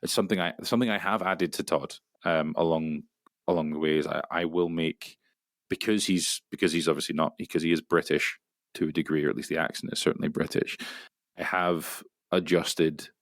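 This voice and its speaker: Low creaky Scottish man. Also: steady tone, dry recording, clean studio sound. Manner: rambling, explanatory, halting with many restarts. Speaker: voice actor guest. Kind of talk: casual interview chat.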